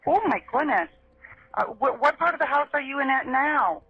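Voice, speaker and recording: A woman working as an emergency dispatcher, calming and questioning a child with endearments over a muffled telephone recording. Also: high voice, normal speed. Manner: reassuring, uses endearments with a child.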